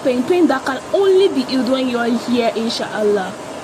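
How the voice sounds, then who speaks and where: Over noticeable background noise, a soft-spoken woman talks in a high voice with lively intonation. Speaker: spoken word poet. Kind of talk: spoken word poetry, an intimate devotional letter to an imagined future husband. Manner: earnest and yearning, pleading rhetorical questions building to prayerful promises; tender and devout, softly invoking Allah in a romantic vow. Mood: emotional, tender, near tears. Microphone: phone near.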